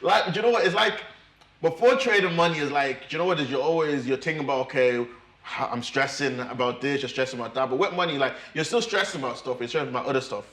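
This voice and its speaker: A man's voice: medium pitch, fast, a bit bright. A young man from Ireland, a guest trader chatting casually, laughing often and repeating his phrases. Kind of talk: casual chat. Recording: echoey room.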